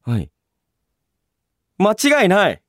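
A man hosting a casual solo radio show, chatting and reading out listener mail in a polite but chatty, animated way. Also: sits high, slow, no room sound, clean studio sound. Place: radio studio, dry sound.

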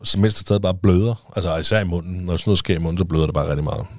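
A man's voice: low-pitched, darkish tone, no room sound, studio quality. A man with a Danish accent, a father talking as a podcast guest in casual chat, rambling with many restarts and fillers.

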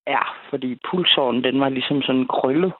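A woman's voice: very deep voice, dry recording. A woman calling in to a night radio show, telling a story in a chatty way and laughing between sentences. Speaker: caller. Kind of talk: casual phone-in storytelling. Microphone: telephone. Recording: tinny phone line.

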